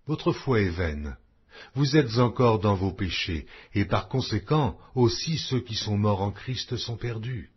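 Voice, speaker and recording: A man reading scripture aloud in a slow, measured, expressive way, with a husky voice. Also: on the low side. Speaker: Bible reader. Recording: dull lo-fi audio.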